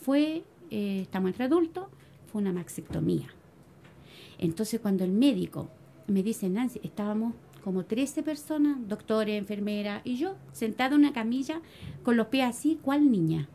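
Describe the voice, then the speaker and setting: A middle-aged woman with a Chilean accent, a church member, gives an animated spoken religious testimony to a congregation, addressing them as brothers. Her voice is a little high and her speed normal, with a little hiss or hum in the recording.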